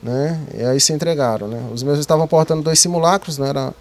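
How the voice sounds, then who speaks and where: Man, police officer, slightly high pitch, formal report, frequent tag questions. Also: fast talker. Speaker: military police officer being interviewed. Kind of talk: interview account of an incident. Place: night, sheltered entrance outside a police station. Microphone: handheld mic, speaking through a cloth mask.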